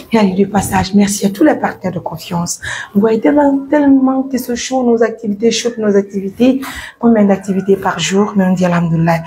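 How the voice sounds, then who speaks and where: Woman, humanitarian vlogger; gentle coaxing delivery, mid-pitched, faint background noise. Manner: soothing, coaxing, often dropping to a whisper. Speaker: humanitarian journalist. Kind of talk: emotional vlog update.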